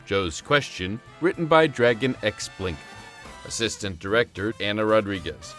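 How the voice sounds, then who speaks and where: Lowish-pitched male credits announcer. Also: normal speed, fairly bright tone, faint music behind. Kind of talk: scripted credits narration.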